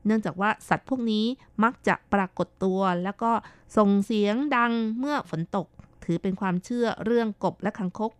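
A woman co-hosts a radio chat show with a smooth, clear voice, reading listener comments aloud. She talks in a chatty, playful way with polite sentence endings. The studio sound is dry and close. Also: mid-range voice, fairly quick, dry recording. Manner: chatty, playful, ends phrases with polite particles. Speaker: radio co-host.

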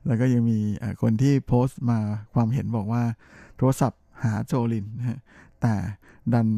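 A man's voice: mid-range voice, steady tone, moderate pace, gravelly, mellow, dry recording, studio quality. A male radio host chatting playfully about entertainment news, teasing and laughing often. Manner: filler-heavy, chatty delivery.

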